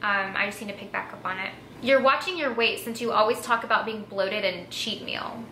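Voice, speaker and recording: A young adult vlogger from Texas chats casually with her viewers, answering the assumptions they make about her. Her medium-pitched voice is bright and forward and moves fairly quickly. She's recorded in an echoey room with faint noise in the background.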